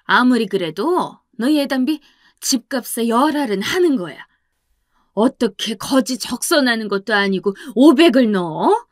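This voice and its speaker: A woman's voice: medium pitch, expressive, unhurried, no room sound, studio quality. A woman playing a haughty furious mother-in-law. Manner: contemptuous, shouting.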